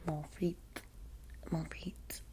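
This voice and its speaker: A low-voiced woman speaks in a soft, breathy whisper with a Valley girl American accent. She plays a vampire's soothing personal assistant in an ASMR roleplay, chatting casually and giving close personal attention. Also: little pitch movement, extremely slow.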